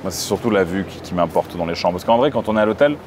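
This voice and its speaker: Brief: persuasive young man in his twenties, lowish voice, faint background noise. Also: expressive, quick pace. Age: 20s. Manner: confident, persuasive, lecturing. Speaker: vlogger. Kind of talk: casual chat and sales pitch.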